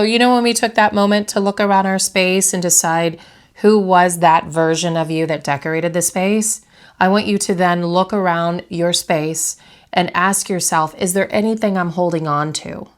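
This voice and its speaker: A young adult woman hosting a vlog from her bedroom, speaking slightly nasally because of a head cold, in a calm, reflective coaching tone that asks the viewer direct questions. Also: lowish voice. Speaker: vlog host and interior designer. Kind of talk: motivational talk to camera.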